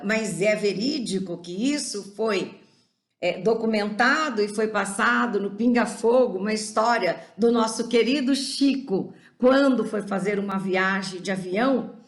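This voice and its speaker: A woman teacher giving a class lecture in a relaxed, conversational way with personal asides. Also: medium pitch, roomy sound.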